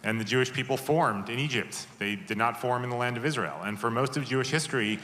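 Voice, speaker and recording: A man speaks on a panel with a bright, forceful tone. He is thoughtful and often restarts his sentences, and the roomy hall adds a long echo. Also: mid-range voice, fast talker. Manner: thoughtful, with restarts and repeated words. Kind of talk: panel discussion answer. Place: large conference hall. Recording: roomy, echoey hall sound.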